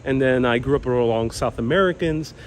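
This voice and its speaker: A man from Puerto Rico raised in New York, with a Queens Hispanic accent and Spanish as his first language, hosting a relaxed live walking tour and chatting with viewers. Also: medium pitch, a little fast. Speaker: walking tour livestream host. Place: outdoors on a town street with passing traffic. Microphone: phone-mounted mic while walking. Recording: noisy outdoor street recording.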